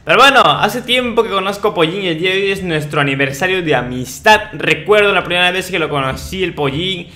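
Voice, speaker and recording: Young man, bright high voice, excitable gaming chatter. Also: a little fast, hardly any pauses, slight background noise. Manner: excitable, shouting at enemies, comic. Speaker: gaming youtuber. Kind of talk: playing a game.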